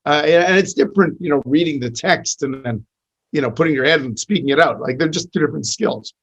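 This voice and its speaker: A man's voice: a little high, fast talker, slightly rough, highs cut off. A middle-aged man, a rabbi, talking in a podcast interview, telling stories and teaching with many restarts and fillers. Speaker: rabbi and podcast host, guest.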